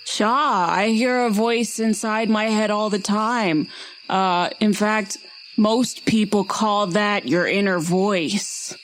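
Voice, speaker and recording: A woman voicing a laid-back, oblivious turtle doctor in a tabletop game, speaking in a slow, hesitant drawl. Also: mid-range voice, fairly even intonation, slight background noise, lightly acted, poor audio. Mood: matter-of-fact.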